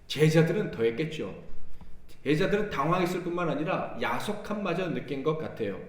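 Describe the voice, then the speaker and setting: A man's voice: fairly high pitch, expressive, fairly quick. A man preaching a Sunday sermon to his congregation. He acts out the words of Jesus and the disciples and keeps asking the congregation questions. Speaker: pastor. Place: church sanctuary. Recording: echoey church hall, mic at a distance.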